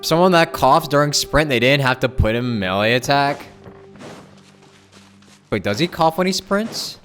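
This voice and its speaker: A man's voice: medium pitch, expressive, unhurried, a bit bright. A man livestreaming a game with casual, slangy commentary, reacting off the cuff. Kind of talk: casual live commentary while gaming. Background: game music and sound.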